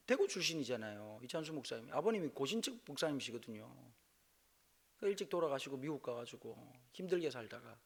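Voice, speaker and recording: A male pastor from Busan, preaching a revival sermon in a church with humor, moving between quiet asides and loud exclamations. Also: mid-range voice. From Busan, South Korea. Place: church sanctuary.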